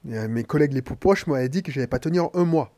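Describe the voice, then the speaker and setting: A man's voice: mid-range voice, lively intonation, fast talker, warm tone. A man from Martinique with a head cold, a podcaster and coach talking bluntly and slangily straight to the listener in a casual monologue.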